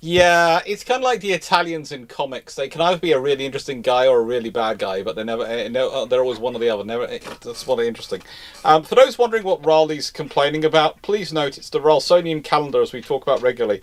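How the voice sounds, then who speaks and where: A man's voice: medium pitch, animated, fast talker. A man hosting an unscripted live question-and-answer chat, rambling and restarting his phrases mid-thought. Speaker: host of a live naval history question show.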